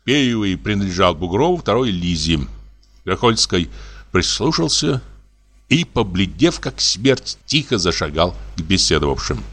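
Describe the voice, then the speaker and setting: A man narrating a classic story in an expressive, dramatic audiobook reading. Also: low voice.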